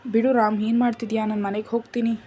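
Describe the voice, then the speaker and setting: A woman's voice: mid-range voice, fairly even intonation, brisk, dark tone, a little hiss or hum, natural voice. A woman voicing a sensitive, easily hurt young wife in a storybook reading, with a pleading, sulky manner.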